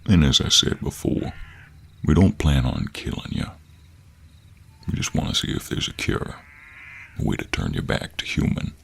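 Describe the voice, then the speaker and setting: A man playing a gruff, teasing cowboy monster hunter with a gentlemanly streak in an intimate audio roleplay, drawling in a deep, gravelly, husky American cowboy accent. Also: big pitch swings, moderate pace, long pauses, slight background noise, full character voice. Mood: stern, probing.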